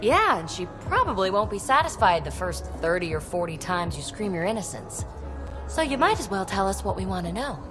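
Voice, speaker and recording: A woman's voice: mid-range voice, very animated, fairly quick, music in the background, natural voice. A woman playing an impulsive, guarded, wry young alien adventurer in a video game, with breezy, sardonic delivery. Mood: playful, coaxing. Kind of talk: video game dialogue acting.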